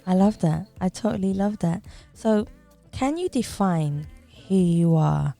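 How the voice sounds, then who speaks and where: A woman's voice: on the low side, lively intonation, a little slow, vocal fry, mellow, soft background music. A woman hosting a podcast, upbeat and effusive, thanking her guest often and asking long questions. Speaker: podcast host.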